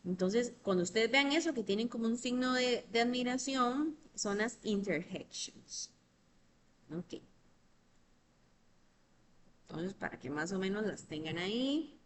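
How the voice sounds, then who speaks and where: A woman's voice: a little high, expressive, unhurried, long pauses, slight background noise. A woman, patiently explaining English grammar in an online tutoring lesson over a computer mic, often checking in with "¿verdad?".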